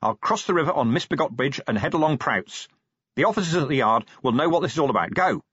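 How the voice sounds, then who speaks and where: A man voicing a gruff police commander, brisk and curt, giving orders with dry sarcasm. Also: mid-range voice, lively intonation, a bit bright, no room sound, lo-fi sound, pitched above the performer's own voice. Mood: urgent. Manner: curt, commanding, dryly sardonic.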